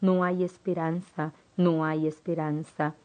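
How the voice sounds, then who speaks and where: A woman's voice: sits low, level tone, unhurried, warm tone. A woman reading the lines of a despairing woman prisoner in a dull, lo-fi audiobook recording. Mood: hopeless. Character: hopeless woman prisoner in a cell.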